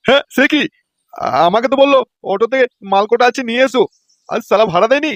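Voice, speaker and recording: A man's voice: very high-pitched, animated, quick pace, a bit bright, no echo. A man playing a suspicious, bullying older householder in a comedy cartoon, scolding indignantly. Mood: indignant, threatening.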